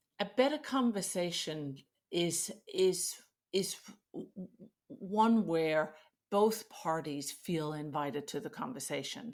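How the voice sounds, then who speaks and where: A woman speaks fairly slowly with a non-native accent and ordinary pitch variation, in a very clean recording with a silent background. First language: not English. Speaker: executive coach, former investment banker. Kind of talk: interview conversation. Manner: halting, many repetitions and false starts.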